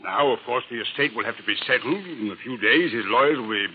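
A man's voice: mid-range voice, lively intonation, quick pace, close to an everyday voice. A man playing a cautious, shady art dealer in a 1940s radio drama, speaking formally and hesitantly, repeating his words. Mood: coolly withdrawing. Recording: muffled, faintly noisy old radio recording.

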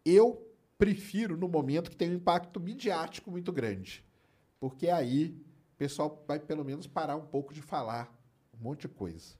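A man with a Brazilian Portuguese accent, explaining space science in a relaxed, chatty way while he answers viewer questions. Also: on the high side, moderate pace, husky. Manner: relaxed, explanatory, tags phrases with "né" and "cara". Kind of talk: casual live-stream chat.

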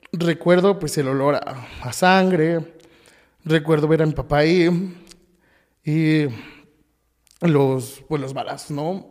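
Man, Mexican Spanish accent, mellow tone, halting emotional storytelling, reverberant sound. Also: on the high side. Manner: emotional, halting, with many restarts and repetitions. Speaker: podcast guest. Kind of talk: personal storytelling.

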